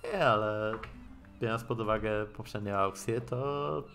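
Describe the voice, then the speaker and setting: A man reading visual novel dialogue aloud in a halting way and adding his own comments as a streamer. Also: on the low side, gravelly, a bit bright. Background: game music.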